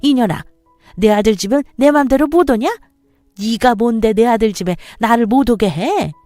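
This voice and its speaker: A woman voicing a bossy, spiteful older mother-in-law who scolds in a shrill, loud voice. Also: normal speed, dry recording, soft background music, lightly acted. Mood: furious.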